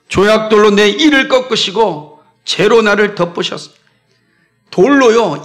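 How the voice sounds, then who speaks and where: Male pastor from South Korea, high-pitched, emphatic sermon delivery, keeps quizzing the congregation. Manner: emphatic, poses repeated questions to the congregation.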